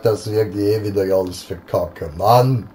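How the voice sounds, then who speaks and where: A man's voice: fairly low pitch, unhurried, dark tone. A man reacting casually to videos, cursing and breaking into stifled giggles. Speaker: host of a try-not-to-laugh reaction video. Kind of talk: casual reaction chat with swearing.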